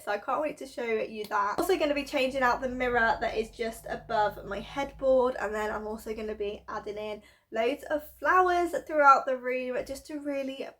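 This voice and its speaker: A woman's voice: a little high, a bit bright. A young woman with a head cold, sounding nasal and bunged up, chatting bubbly about cleaning her bedroom at home. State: congested with a cold; out of breath. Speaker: home vlogger. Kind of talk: cleaning vlog chat.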